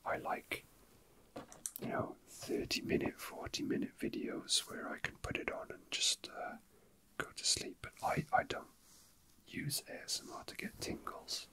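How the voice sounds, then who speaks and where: Man, soft breathy whisper, unhurried halting pace, casual ASMR rambling, close mic. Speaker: ASMR video host.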